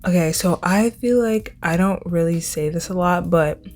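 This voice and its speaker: A woman's voice: fairly low pitch, normal speed, a little mellow, soft background music. A twenty-year-old woman hosting a casual solo podcast, talking in a chatty, informal way and repeating words for emphasis. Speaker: podcast host.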